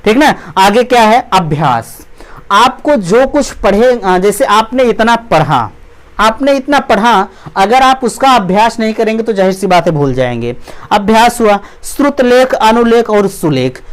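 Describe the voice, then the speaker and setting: A young man teaching an online exam-prep lecture. He asks rhetorical questions, repeats his points and reads list items out slowly. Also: high voice, sing-song. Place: teaching room with a marker board.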